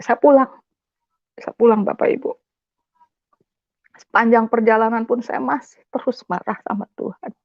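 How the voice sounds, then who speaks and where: A woman's voice: a little high, steady tone, moderate pace, long pauses, no room sound, lo-fi sound. A woman from West Java giving an emotional personal testimony, speaking directly to her audience and mixing in English words. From West Java, Indonesia. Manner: tearful, impassioned storytelling, addresses the audience directly.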